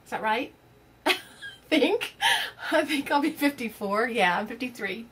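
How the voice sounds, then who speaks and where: A woman in her 50s, a crafting vlogger, chats casually to her channel's viewers in a rambling way, full of fillers and restarts. Her fairly high, expressive voice is a little slow with a fairly bright tone. There's slight background noise.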